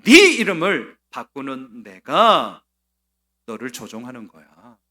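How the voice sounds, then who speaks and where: A proud, sneering ancient king, as a preacher puts him on, scornful and taunting. His voice swings widely and rings bright and forceful, jumping to loud outbursts. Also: mid-range voice, sing-song, slow pace, full character voice. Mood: mocking.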